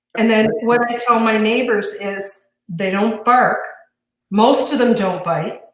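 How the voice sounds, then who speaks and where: In a room with audible echo, a woman speaks at a fairly slow pace and a fairly high pitch with fairly even intonation. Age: 60s. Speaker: fish show judge and club member. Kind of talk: casual chat.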